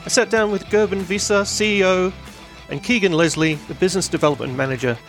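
A man's voice: sits high, steady tone, fast, a bit bright, faint music behind. A man hosting a business podcast, introducing guests and asking easygoing questions. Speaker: podcast host. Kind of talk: podcast host interview.

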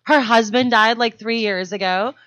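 A young woman co-hosts a casual podcast in a dry, close-miked sound. Her voice sits a little high, and she tells stories bluntly, swearing freely. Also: moderate pace, fairly bright tone, dry recording, muffled recording. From born in Denmark to Iranian parents, raised in the US. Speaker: podcast co-host. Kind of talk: casual comedic chat.

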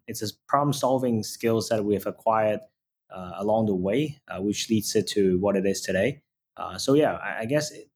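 Male founder in his thirties from Hong Kong, fairly low voice, halting with lots of fillers. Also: darkish tone, a little hiss or hum. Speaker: startup founder guest. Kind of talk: interview answers.

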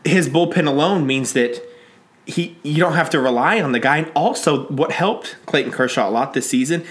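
A man in his thirties chatting casually as co-host, animated and talkative, jumping from TV to baseball. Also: fairly high pitch. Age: 30s. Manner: animated, talkative, quick bursts of excitement. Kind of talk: casual chat and sports talk.

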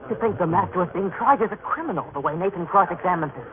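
An actor playing an indignant, troubled onlooker in an old radio drama. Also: male voice, high-pitched, lively intonation, fast, narrow, tinny audio. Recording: noisy, band-limited vintage radio recording.

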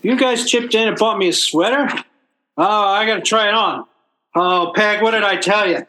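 Guy doing a blustery put-upon working joe for old radio comedy, pretty high voice. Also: moderate pace, bright, forceful tone, rough recording. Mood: moved, delighted. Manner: colloquial, plaintive, blustery. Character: put-upon, stubborn, sentimental working-class male everyman.

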